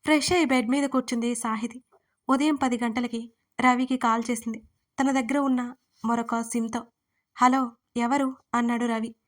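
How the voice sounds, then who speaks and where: Woman reading an audio story, fairly high voice, expressive, chats to listeners now and then. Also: moderate pace. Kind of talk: scripted narration.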